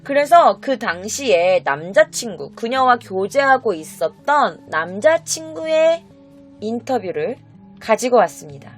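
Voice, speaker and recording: A woman host telling a true-crime story in a casual, animated way, speaking directly to her viewers. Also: a little high, measured pace, faint music behind. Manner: animated, acts out quotes, addresses viewers.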